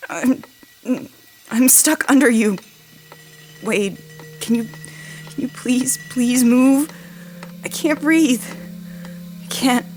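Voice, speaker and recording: A woman playing a frightened, injured young crash survivor in an audio drama, halting and pleading as she repeats herself. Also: on the high side, a little mellow. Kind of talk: naturalistic audio drama acting.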